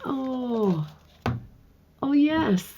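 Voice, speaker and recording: A woman with a slightly hoarse, croaky voice hosts a painting tutorial, chatting and thinking aloud as she works. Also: sits high, animated, very slow, mellow, lo-fi sound, slight background noise. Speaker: art tutorial host. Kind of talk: casual painting tutorial narration.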